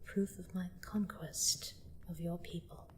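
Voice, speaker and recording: A woman's voice: on the low side, steady tone, darkish tone, whispered. Gloating, seductive vampire queen, acted by a woman. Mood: quiet menace. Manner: theatrical, mock-sweet, menacing, drawn-out taunts. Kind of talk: scripted roleplay audio drama monologue.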